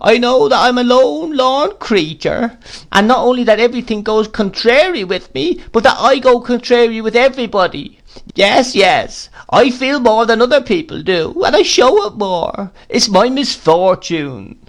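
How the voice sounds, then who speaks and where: A man's voice: very high voice, big pitch swings, pitched above the performer's own voice, full character voice. A man voicing a gloomy, self-pitying older widow who whines and draws out her words. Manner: whining, drawn-out and tearful.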